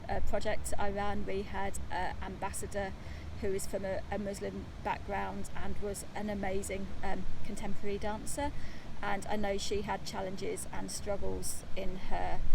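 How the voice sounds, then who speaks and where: Gravelly-voiced woman, hesitant and thoughtful. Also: mid-range voice. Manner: hesitant, many ums, thoughtful. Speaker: interviewee, heritage project researcher. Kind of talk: reflective interview answer. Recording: noisy background.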